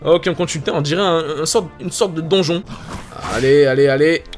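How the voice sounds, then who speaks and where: A man giving excited gameplay commentary, hyped and swearing casually as he talks to his viewers. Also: on the high side, brisk, faint music behind. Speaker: gaming YouTuber. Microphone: facecam setup.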